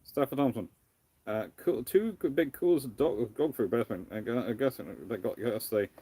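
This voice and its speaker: A man's voice: medium pitch, normal speed, dark tone, breathy edge, no echo. A British man hosting a casual live question-and-answer stream, talking in a rambling, discursive way and restarting his phrases. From United Kingdom. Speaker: livestream host, history lecturer.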